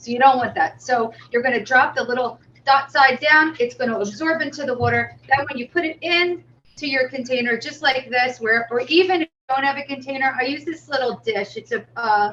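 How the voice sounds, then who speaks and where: Bright and sharp in tone, a woman talks at a high pitch and a fairly quick pace with ordinary pitch variation. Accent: Philadelphia. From Philadelphia, US Northeast. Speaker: florist. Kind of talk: tutorial. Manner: casual, chatty.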